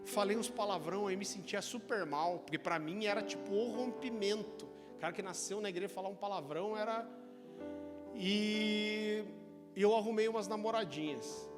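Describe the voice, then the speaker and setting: Brazilian pastor guy telling his story in a sermon, fairly high voice, lively, echoey church w/ music playing. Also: normal speed. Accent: Brazilian Portuguese. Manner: animated, chatty storytelling. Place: church sanctuary. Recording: church hall reverb with music.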